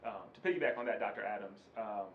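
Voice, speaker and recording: A man's voice: fairly low pitch, fast talker. A man co-hosting a teaching chat, earnest and rambling with lots of ums. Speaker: co-host, former radio broadcaster. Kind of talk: casual instructional chat. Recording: echoey lo-fi room with faint hum.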